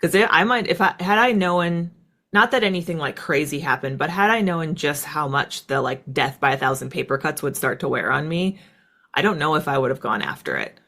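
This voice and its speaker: Bright-voiced American woman telling her story. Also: sits low, lively intonation, fairly quick. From United States. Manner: conversational, peppered with "like" and "right". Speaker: interview guest, former military fighter pilot. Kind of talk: casual reflective interview storytelling.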